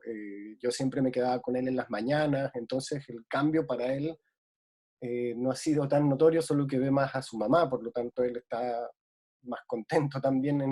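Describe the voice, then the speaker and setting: A man's voice: medium pitch, dark tone. A man from Ecuador speaking reflectively in a casual remote conversation, with many hesitations. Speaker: guest.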